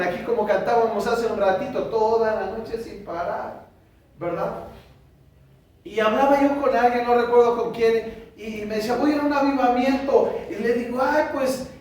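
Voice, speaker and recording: A Mexican pastor preaches with a very high voice and animated delivery, slipping into other voices to act out conversations. He is picked up from a distance in a strongly echoing church hall, with faint noise in the background. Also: a little slow. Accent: Mexican Spanish. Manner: animated preaching, acts out dialogues with shifting voices. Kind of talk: sermon. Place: church sanctuary.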